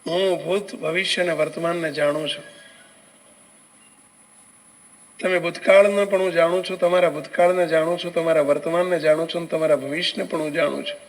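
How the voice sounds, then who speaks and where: A man voicing a calm, all-knowing old holy man in measured, softened tones during a religious story. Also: on the high side, close to an everyday voice, poor audio.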